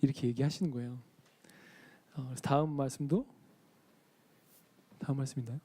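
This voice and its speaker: A man's voice: medium pitch, fairly even intonation, brisk, mellow, breathy edge, rough recording. A young man preaching a casual sermon in a church, chatting with the congregation, asking them questions and acting out quoted lines. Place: church sanctuary.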